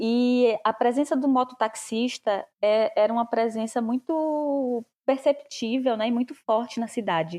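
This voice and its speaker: Dry and close with no echo, the voice has a dark, mellow tone and a Bahian accent, moving at a fairly slow pace. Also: woman, high pitch for a woman, ordinary pitch variation, hardly any pauses. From Bahia backlands, Brazil. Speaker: podcast host, book discussion. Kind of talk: casual book discussion. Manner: conversational, with fillers.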